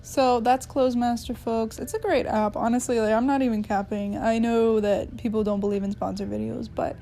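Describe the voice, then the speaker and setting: A young woman in her twenties chatting to camera at home, animated and excitable, full of filler words. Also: on the high side, normal speed, gravelly, music in the background. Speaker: language-learning vlogger. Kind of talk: casual chat to camera. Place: living room at home.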